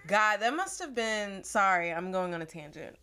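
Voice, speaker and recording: A woman's voice: medium pitch, lively intonation, normal speed, bright, forceful tone. A woman co-hosting a casual podcast, frank and teasing, who laughs often as she talks. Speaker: podcast co-host. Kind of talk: casual conversational podcast chat.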